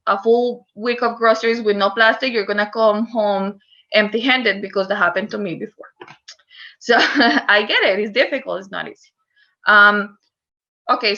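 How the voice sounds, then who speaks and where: Her voice is a little high and sharp, captured on dull audio. She is a Costa Rican recycling educator giving an earnest online presentation about recycling in Costa Rican-accented Spanish, filling it with frequent fillers.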